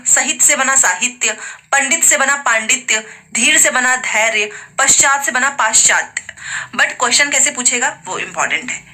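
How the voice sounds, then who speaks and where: A woman with a very bright, somewhat high voice teaches a grammar lesson. She explains patiently and says the example words aloud again and again, asking her students to repeat them.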